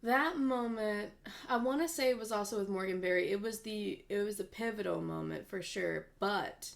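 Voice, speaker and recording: A woman's voice: mid-range voice, normal speed, vocal fry. A young woman in her twenties, a voice actress guest, telling her story in an upbeat, earnest way. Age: 20s. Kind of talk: casual interview chat.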